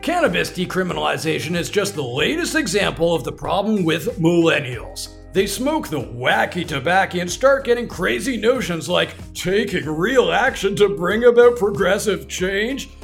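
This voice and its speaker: A man playing a smooth-talking radio call-in host in a comedy sketch, with a mocking, sardonic delivery. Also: high voice, lively intonation, normal speed, few pauses, faint music behind.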